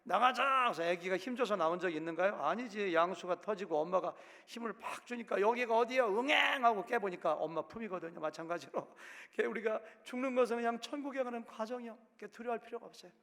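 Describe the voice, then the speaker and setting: Animated Korean pastor with a Chungcheong accent. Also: male voice, sits high, fast, creaky, hardly any pauses. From Korea, Chungcheong province. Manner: animated, acts out quotes in shifting voices. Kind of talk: sermon. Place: church sanctuary. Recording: long hall reverb.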